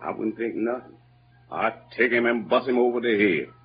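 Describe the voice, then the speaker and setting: A man's voice: moderate pace, lightly acted. An actor playing Jim, a simple-hearted kindly man who speaks in a rural Southern dialect, in an old-time radio drama. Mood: puzzled, earnest. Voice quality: lively, swooping between low mutters and high exclamations. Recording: dull lo-fi old radio recording with music.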